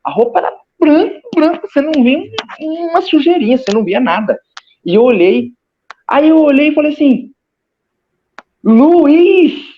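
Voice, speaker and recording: A man's voice: very high voice, animated, a little fast. A man with a Brazilian Portuguese accent, a guest telling his own story in casual testimony, hesitant, repeating words and acting out gestures. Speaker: interview guest recounting a near-death experience. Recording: slightly muffled lo-fi audio.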